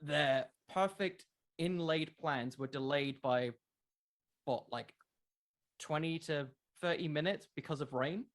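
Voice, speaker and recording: A man's voice: on the high side, slow pace. A man speaking as a podcast creator in a casual interview, conversational and emphatic, with a self-deprecating way of talking.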